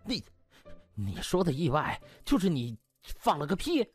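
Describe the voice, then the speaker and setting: An incredulous, outraged male hospital official, voiced by a man narrator in a comic audiobook. His husky voice halts in disbelief over faint music. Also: fairly high pitch, wildly swooping pitch, heavily acted. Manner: incredulous, halting. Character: stunned, outraged male hospital deputy director.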